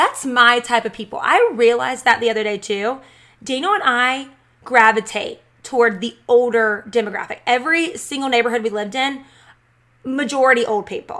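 A woman speaks in an American accent at a moderate pace and a high pitch. Her tone is animated, bright and sharp. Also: ordinary pitch variation. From South Carolina, Lexington. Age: 20s. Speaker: podcast host. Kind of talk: casual solo monologue.

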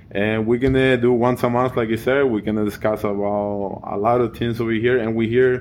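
A man speaks with a Spanish accent and fairly even intonation. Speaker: construction worker and podcast host. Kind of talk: casual advocacy chat.

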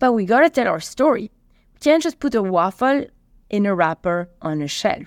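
Heard on a very clean recording with a silent background and a dry, close sound with no echo, a woman with a Flemish accent talks at a moderate pace and fairly high pitch with very wide pitch swings. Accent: Flemish Belgian-accented English. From Belgium. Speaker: company cofounder and CEO. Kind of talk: interview conversation.

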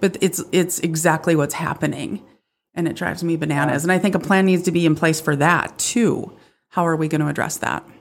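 A woman with an ordinary speaking voice, fairly low in pitch, fairly even intonation, at a fairly quick pace. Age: 50s. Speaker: podcast co-host, parent. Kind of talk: casual chat. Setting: video call.

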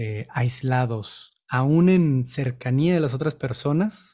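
Over a very clean recording with a silent background, a man speaks at a medium pitch with a dark, mellow tone, somewhat breathy, with lively intonation. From Mexico, Baja California. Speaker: podcast host. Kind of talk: interview conversation.

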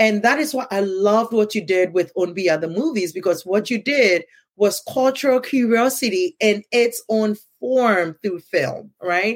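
Speaking slowly-ish at a fairly slow pace, a woman with a Ghanaian accent uses a fairly high pitch and lively intonation. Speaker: immigrant sharing cultural perspective. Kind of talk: casual conversation.

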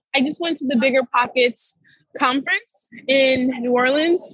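A woman's high voice with a New York accent, ordinary pitch variation and a moderate pace. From New York City. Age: 20s. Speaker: realtor and real estate investor. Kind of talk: casual chat.

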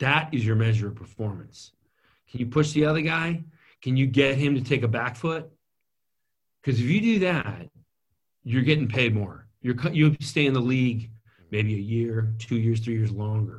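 A man speaks at a moderate pace and medium pitch, somewhat breathy, with ordinary pitch variation. Long pauses come often. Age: 40s. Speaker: biomedical engineer and inventor. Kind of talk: interview.

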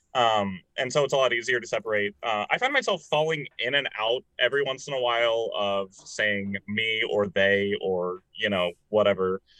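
Speaking with an American accent, a man has an ordinary speaking voice of medium pitch, ordinary pitch variation and a moderate pace. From Kansas City area, US. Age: 20s. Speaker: theater performer and student. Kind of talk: casual interview chat. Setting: video call, with blankets behind him.

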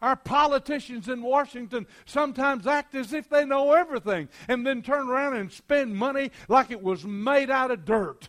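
This man speaks in an extremely high pitch with a Southern US accent and an animated tone. His pace is moderate, with hardly any pauses. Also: ordinary pitch variation. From US South, West Tennessee. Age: 80s+. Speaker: pastor. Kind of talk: sermon. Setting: church.

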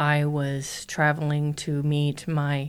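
A woman talks with a Midwestern US accent. Her pitch is very deep and low. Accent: US Midwest. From Ohio, then southeastern Indiana from age 11. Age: 50s. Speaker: home daycare operator. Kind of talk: personal testimony in an interview.

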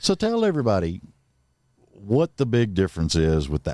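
A man with a Southern US accent and a dark, mellow tone speaks at a moderate pace. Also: very clean recording, silent background. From Nashville, Tennessee. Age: 50s. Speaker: podcast host. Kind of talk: casual interview. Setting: recording studio. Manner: animated.

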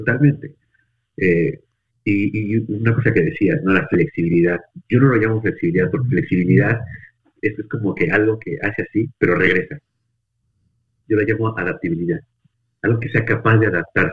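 A man with a fairly low pitch speaks at a moderate pace, leaving long, frequent pauses. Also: lively intonation. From Mexico, Tulancingo, Hidalgo. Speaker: media executive. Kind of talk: interview.

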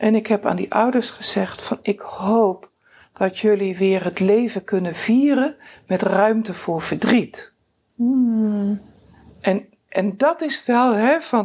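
A woman's fairly high voice comes through at a very slow pace. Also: ordinary pitch variation. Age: 60s. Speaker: funeral celebrant. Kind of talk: casual chat. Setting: at a table.

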